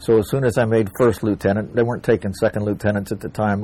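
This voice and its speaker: A man with an American accent, fairly low in pitch, dark and mellow in tone, at a very fast pace. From New Jersey. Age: 70s. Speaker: war veteran. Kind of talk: testimony. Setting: church.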